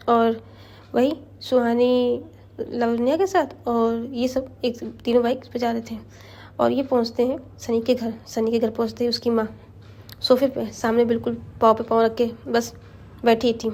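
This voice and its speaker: A woman's voice: a little high, flat delivery, a little slow, mellow. A woman narrating a story in a casual, chatty way with asides to the listener.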